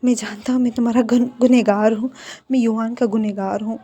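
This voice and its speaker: A woman doing a soft-spoken, begging young man. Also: a little high, steady tone, a little fast, slightly rough. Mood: pleading. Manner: soft, pleading, half whispered.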